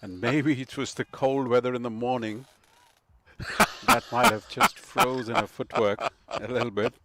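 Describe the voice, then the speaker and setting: A man giving live cricket commentary in a measured, analytical way, sometimes pausing with fillers. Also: mid-range voice, lively intonation, very noisy.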